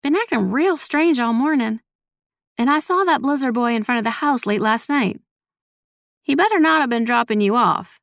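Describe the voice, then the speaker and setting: A woman's voice: on the high side, expressive, moderate pace, gravelly, fairly bright tone, no room sound, pitched above the performer's own voice. Stern, salty grandmother in an audiobook, elderly and protective, scolds bluntly, dry studio sound female reader performs her. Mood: suspicious scolding.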